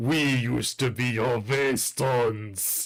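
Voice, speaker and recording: Very slowly, a man puts on a raspy character voice at a medium pitch. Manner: imitation.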